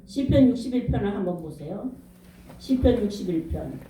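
A woman's voice: mid-range voice, expressive, normal speed, mellow, far from the mic, slight background noise. A middle-aged woman pastor preaching a revival sermon with emphasis, firing questions at the congregation. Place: church sanctuary. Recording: echoey room, speaker off-mic.

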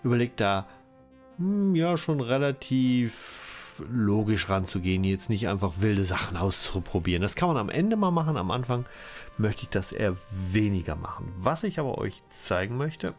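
A man's voice: on the low side, very animated, a little slow, soft background music. German man with a cold, chatty. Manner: rambling, self-correcting, chatty. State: has a cold, coughing. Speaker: let's-play host. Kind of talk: casual game commentary.

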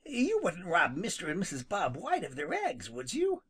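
A storybook narrator voicing a timid, indignant young male rabbit in a high, excited voice. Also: measured pace, husky, heavily acted.

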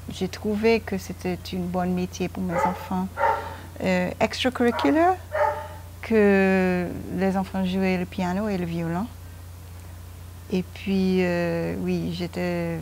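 A woman in her fifties from Guyana, interviewed on the veranda of a home. She speaks slowly and hesitantly in a fairly low voice, pausing often with fillers. A lapel mic picks her up, with faint ambience behind her. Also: fairly even intonation, noisy background. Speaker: interview guest, mother.

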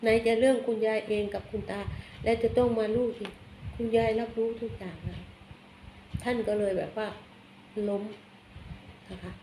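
A woman giving a casual tarot reading, chatty and blunt, softening her phrases with polite particles. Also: fairly high pitch, normal speed, pauses often. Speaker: tarot reader. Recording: echoey room, faint background noise.

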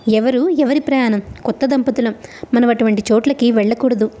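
A woman's voice: on the high side, steady tone, fairly quick, warm tone, close to an everyday voice. A woman voicing a harsh, domineering new stepmother in a storybook reading, with a scornful, bossy manner.

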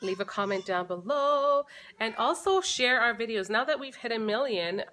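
A woman's voice: a little high, lively intonation, moderate pace, pushed and bright, slight background noise. A woman in her thirties chatting casually to camera in her living room, thinking aloud with fillers and restarts. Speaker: family vlogger. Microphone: camera close in front.

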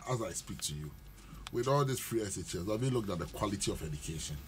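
A man's voice: fairly low pitch, expressive, fast talker, a little hiss or hum. A middle-aged man with a Ghanaian English accent, a panelist arguing hard in a political radio debate in a studio. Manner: forceful, emphatic, talks over others. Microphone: studio mic on boom.

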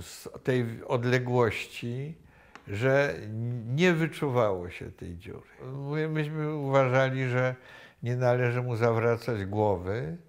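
An older man being interviewed, recalling the past slowly with many pauses and restarts, recorded on a lapel mic in a room. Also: medium pitch. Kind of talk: reflective recollection. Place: indoor room with wooden cabinets.

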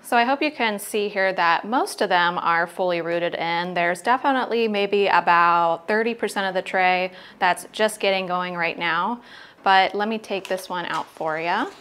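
A woman's voice: on the low side, normal speed, a bit bright, clear, resonant tone. A middle-aged American woman gardening vlogger, chatting directly to viewers as she shows plants in a casual tour style. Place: home garden outdoors and inside the house.

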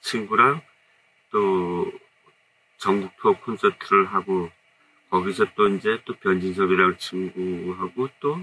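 A modest, relaxed storyteller, this saxophonist guest in his fifties hails from Jecheon, North Chungcheong, Korea, and rambles in a strongly accented Jecheon dialect. His low voice keeps a measured pace. The recording is low quality with slight background noise, taken by an off-camera mic in a seated two-shot, in an indoor studio with a curtain backdrop.

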